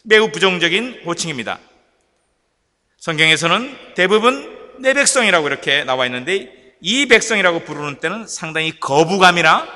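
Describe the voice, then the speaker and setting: Animated bright-voiced male pastor preaching. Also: fairly high pitch. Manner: animated storytelling preacher, joking with the congregation. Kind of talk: sermon. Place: church sanctuary. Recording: echoey church hall.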